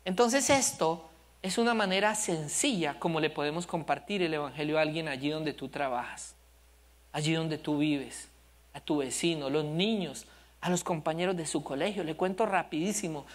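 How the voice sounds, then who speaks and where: A man's voice: on the high side, moderate pace. A male pastor preaching a sermon, telling stories with animation and asking the congregation questions. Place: church service.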